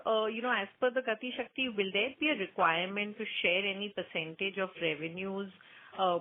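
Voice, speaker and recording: A woman analyst asks a question in a medium-pitched voice. Her phone line is thin, with faint noise. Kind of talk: conference call questioning. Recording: noisy narrow phone line.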